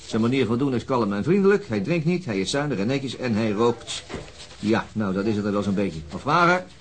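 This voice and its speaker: Male actor as gruff detective, weary, matter-of-fact, mid-pitched, radio drama, faintly noisy recording. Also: big pitch swings, fairly quick, lightly acted. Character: weary, gruff male police detective leading a murder hunt. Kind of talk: Dutch radio drama acting.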